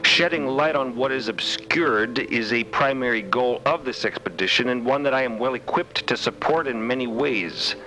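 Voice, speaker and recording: Man playing a stately, bright-voiced mystical Mother. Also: medium pitch, slight background noise, close to an everyday voice, rough recording. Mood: stately pride. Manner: formal, measured, stately, reassuring. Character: serene, dignified matriarch of a mysterious scholarly order. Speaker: actor in a fiction podcast. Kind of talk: formal audio drama acting.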